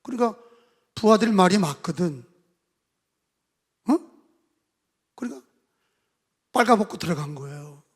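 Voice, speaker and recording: A man preaching a sermon as pastor, telling the story dramatically and acting out the voices, his volume swinging from loud to soft. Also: high-pitched, expressive, unhurried, pauses often, slightly rough. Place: church sanctuary. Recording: long hall reverb.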